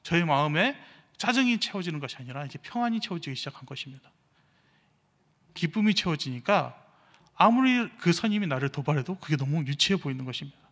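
A man's voice: fairly high pitch, fairly quick. Young man preaching in an echoing church. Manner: animated storytelling, acting out quoted speech. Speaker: evangelist preaching. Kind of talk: sermon with personal testimony. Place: church sanctuary. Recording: reverberant church hall.

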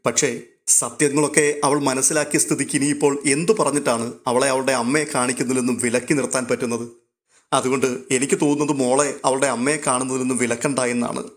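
A man's voice: mid-range voice, natural voice. A man voicing a caring young woman who pleads earnestly and persuasively, as in a storybook read aloud.

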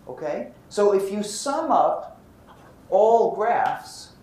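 A man's voice: high-pitched, extremely slow. Older man lecturing in an echoey hall. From Brooklyn, New York. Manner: animated, checks in with students. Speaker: physics professor. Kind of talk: university lecture. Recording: roomy lecture hall, faint noise.

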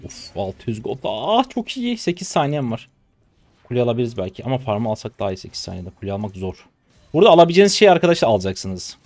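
A man in his twenties from Turkey giving casual live commentary on his own gameplay, chatty and trash-talking, with sudden loud excited shouts, on a close desk mic. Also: lowish voice, dry recording. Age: 20s. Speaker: gaming streamer.

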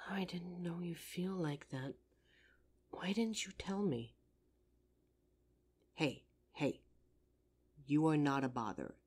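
Woman acting a low-voiced, caring best friend. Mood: tender, reassuring. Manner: soothing, earnest, gently insistent. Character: caring young woman, worried best friend offering comfort. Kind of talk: roleplay audio drama monologue, intimate comforting.

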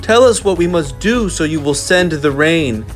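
A man voicing tribal dancers beseeching the spirits in a storybook, with drawn-out, imploring, chant-like delivery. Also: fairly high pitch, lively intonation, voice pushed up, natural voice. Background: music.

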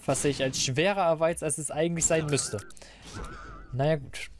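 A man doing casual, rambling commentary while playing a game, a little hoarse and stuffy, into a desk microphone. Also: on the high side, steady tone, normal speed, slight background noise. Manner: chatty, rambling, self-mocking. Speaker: let's player.

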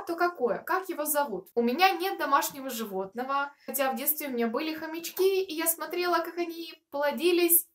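High-pitched young woman vlogging. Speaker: video blogger answering viewer questions. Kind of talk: casual chat to camera. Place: small furnished room, indoors.

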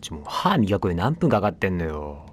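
A man's voice: low voice, very animated, fairly quick, breathy edge. A man giving casual let's play commentary, chatting to the game and its characters as he plays. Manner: chatty, talks back at the game, apologizes for noise.

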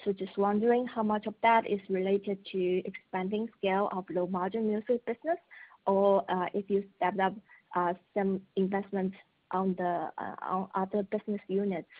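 A woman's voice: medium pitch, steady tone, moderate pace. A woman with a Chinese accent, a native Mandarin speaker, asking questions as an analyst on an earnings call. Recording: tinny phone conference line.

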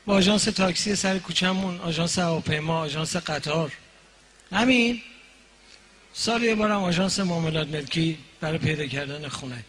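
A man voicing a mild male detainee who gives soft, deadpan answers under questioning. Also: fairly high pitch, slight background noise, natural voice. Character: meek, cheeky male detainee playing dumb.

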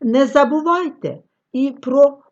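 A woman giving a scripted lecture on artistic reading, with expressive, declamatory delivery and long pauses. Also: high voice. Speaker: reading teacher. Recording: dull lo-fi recording.

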